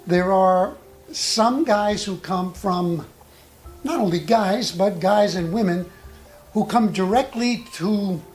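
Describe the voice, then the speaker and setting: Speaking in a mid-range voice, this acting coach teaches through personal stories. Each point comes out slowly and deliberately, broken up by reflective pauses.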